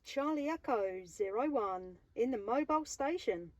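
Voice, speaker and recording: Female CB operator, mobile station call-outs, high pitch, clear background static and noise. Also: lively intonation, moderate pace. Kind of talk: radio call-outs and signal exchanges. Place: mobile radio station in a vehicle. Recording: noisy CB radio transmission.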